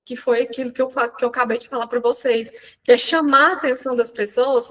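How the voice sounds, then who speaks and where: A woman's voice: a little high, fast talker, rough recording. Chatty Brazilian woman mentoring live. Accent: Brazilian Portuguese. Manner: chatty, animated, addresses audience directly. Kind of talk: live online talk.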